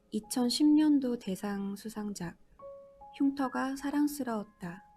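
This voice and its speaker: A woman's high voice with ordinary pitch variation at a very slow pace, with music in the background. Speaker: company employee reading audiobook. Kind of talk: audiobook essay reading. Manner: calm, soothing.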